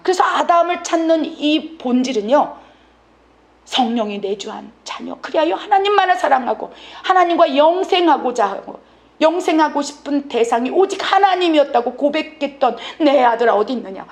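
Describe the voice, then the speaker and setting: A woman missionary pastor preaching with fervor and drama. Her voice sits high and bright, and she drops to a hush at times for effect. The delivery is earnest and insistent. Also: expressive, normal speed. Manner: fervent, dramatic preaching with sudden soft drops. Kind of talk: sermon.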